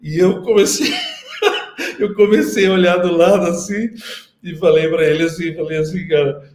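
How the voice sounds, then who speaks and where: A man's voice: on the high side, a little fast, echoey room. A man, a singing teacher telling stories casually on a live stream, laughing often and acting out what others said. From Brazil. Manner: animated, laughing storyteller who acts out quotes.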